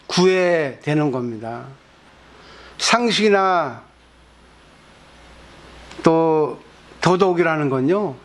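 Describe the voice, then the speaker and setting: A male Buddhist monk with a fairly high-pitched voice preaches at a weekend temple service. His teaching is conversational, and he often puts rhetorical questions to the audience.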